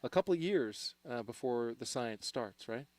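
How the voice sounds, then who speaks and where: A man's voice: medium pitch, lively intonation, normal speed, a little mellow, no echo. Male launch broadcast host, close dry sound. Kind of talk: live interview and launch commentary.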